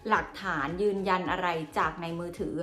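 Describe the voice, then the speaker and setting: A woman telling a travel story in a chatty, animated vlog style, laughing at herself at times. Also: fairly low pitch, a little fast. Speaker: vlogger. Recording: roomy echo, faint music.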